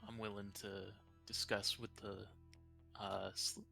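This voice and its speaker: Sharp, gravelly man playing a tabletop game. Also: fairly low pitch, little pitch movement, takes it slowly, faint music behind. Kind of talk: in-character tabletop role-play.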